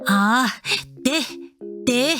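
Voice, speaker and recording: A woman's voice: sits high, expressive, extremely slow, bright, forceful tone, full character voice. A woman voicing a timid, gloomy schoolchild with little confidence in a children's storybook, hesitant and self-doubting. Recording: echoey reverb with children's music behind.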